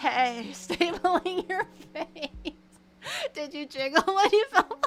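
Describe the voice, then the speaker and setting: Putting on a character voice, a woman mumbles at a very slow pace in an extremely high pitch. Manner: smooth, charismatic.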